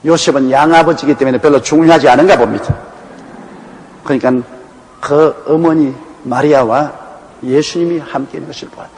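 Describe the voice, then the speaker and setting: Higher-voiced male preacher in echoey hall. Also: fairly quick, a little mellow. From Gyeongsang province, Korea. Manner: folksy storytelling with anecdotes. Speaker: pastor. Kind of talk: Bible exposition sermon. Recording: echoey hall with faint background noise.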